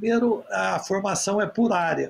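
With ordinary pitch variation, this man speaks in a high register. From interior of São Paulo state, Brazil. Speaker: state legislator and former educator. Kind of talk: interview about life and career. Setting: virtual video call. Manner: formal, halting with repeated words. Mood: warm, smiling, relaxed. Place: office. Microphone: video call.

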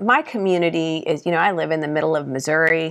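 A woman speaks in a fairly low voice. The background is quiet. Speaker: talk show host. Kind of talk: interview. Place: home room. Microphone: video call.

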